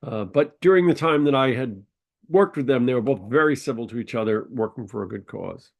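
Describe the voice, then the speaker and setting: A man's voice: mid-range voice, a little fast, creaky. A man hosting a podcast, his voice nasal and congested from a sinus infection, telling a story in a rambling, casual way with frequent ums and uhs. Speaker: podcast host.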